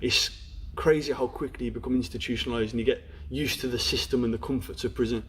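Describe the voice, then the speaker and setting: Fast-talking Black Country man. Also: mid-range voice, steady tone, a little hiss or hum, poor audio. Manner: frank, storytelling, peppered with "you know". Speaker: interview guest. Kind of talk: candid personal story in a podcast interview.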